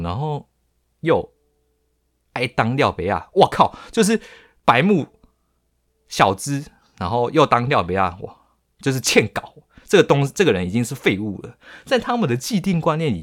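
A man with a Taiwanese Mandarin accent, hosting a podcast and telling a story in an animated, mocking way full of crude slang. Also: mid-range voice. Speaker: podcast host. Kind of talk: storytelling monologue.

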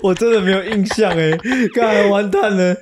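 A man's voice: high-pitched, moderate pace, very noisy. A man in casual podcast chat, incredulous and teasing, swearing casually. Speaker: podcast co-host.

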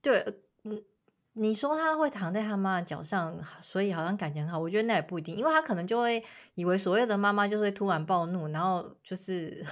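A woman co-hosting a casual podcast chat, giving brisk, reflective commentary. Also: mid-range voice. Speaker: podcast co-host.

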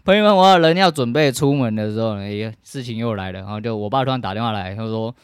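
A man in his thirties with a Taiwanese Mandarin accent, hosting a solo podcast, swearing constantly and breaking into shouts as he rants. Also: lowish voice, expressive, fast, clear, resonant tone, dry recording, clean studio sound. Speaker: podcast host. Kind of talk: profane solo rant.

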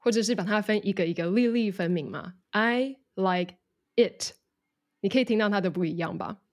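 Talking fast in a mid-range, slightly mellow voice, a female English coach explains in Mandarin during an interview, her accent lightly shaped by English. She mixes in English words and models example phrases.

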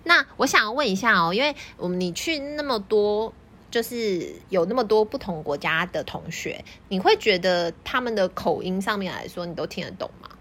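A woman with a Taiwanese Mandarin accent hosting a casual interview, chatty, inquisitive and expressive. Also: mid-range voice, normal speed. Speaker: podcast host and teacher.

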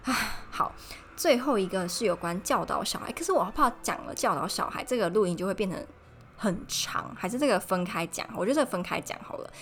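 A woman's voice: medium pitch, fairly quick, slight background noise. Chatty young woman podcaster. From Taiwan. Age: young adult. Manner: chatty, animated storytelling. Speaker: podcast host. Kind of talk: casual solo podcast chat. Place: home.

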